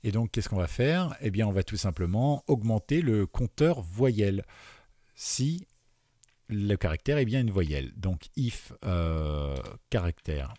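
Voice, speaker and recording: A man teaching beginners to code, explaining each step and often checking in with his listeners, with many fillers and dropping quieter while he types. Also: lowish voice, lively intonation, unhurried, dry recording. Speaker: programming teacher. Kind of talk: screen-recorded coding tutorial. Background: keyboard typing.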